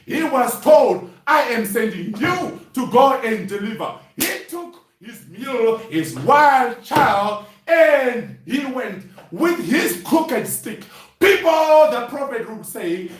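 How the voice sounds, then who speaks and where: A man preaching a fiery sermon, shouting and breaking in with "hallelujah" and "glory be to God" often. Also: extremely high pitch, very animated, slow pace. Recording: echoey, from far off the mic.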